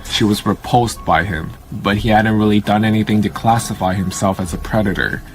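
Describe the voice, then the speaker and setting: A man reading a scripted horror story in a measured storytelling manner. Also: lowish voice. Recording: music under the voice. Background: background music.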